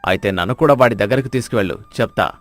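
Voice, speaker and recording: A man voicing rough, scheming village men in an animated moral story, gruff and challenging. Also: on the low side, very fast, no room sound, faint music behind, natural voice. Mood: aggressive. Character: rough, scheming village men: troublemaker and deep-voiced fisherman.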